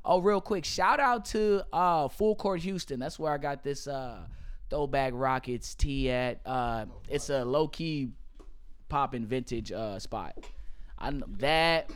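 A man's voice: mid-range voice, slow pace, smooth. A man in his late twenties hosting a casual podcast chat, talking loosely with slang and frequent laughter. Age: 20s. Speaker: podcast host. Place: Houston area. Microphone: studio mic.

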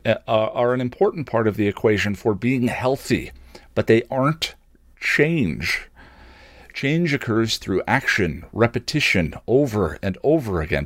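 A middle-aged man hosting an online show, speaking in a candid, halting, thoughtful personal monologue. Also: medium pitch, dry recording, studio quality.

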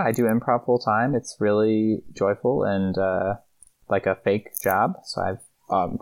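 A man's voice: lowish voice, poor audio. A man from the United States, an improv teacher, talking as a guest in a casual interview, rambling with frequent restarts.

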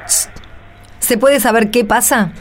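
A woman's voice: on the high side, fairly even intonation, slow. A woman playing a plain-spoken, kindhearted and insistent country woman in a radio play, with an Argentine accent and a direct manner. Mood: insistent, scolding. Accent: Argentine Spanish. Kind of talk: radio play dialogue acting.

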